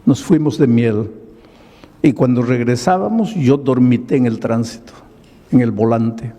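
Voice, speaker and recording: A broken, remorseful middle-aged drunkard pours out his confession in a pleading voice, as an older pastor acts him out. The voice is husky and mellow. It echoes through a large hall. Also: medium pitch, measured pace, lo-fi sound, lightly acted. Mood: grieving.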